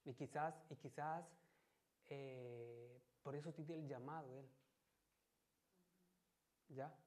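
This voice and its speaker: Lay preacher, male; relaxed, warm tone, keeps asking the congregation if they follow. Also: mid-range voice, slow. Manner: conversational, constantly checks with listeners. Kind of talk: church sermon.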